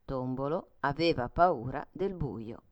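A woman calmly reading a children's picture book aloud in a gentle, measured way. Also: rumbling low, dry recording, dull audio. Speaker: storyteller.

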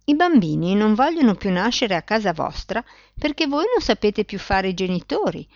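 A woman's voice: medium pitch, big pitch swings, moderate pace, no echo, muffled recording, voice pushed up. A woman reading aloud, voicing a proud, cheerful child.

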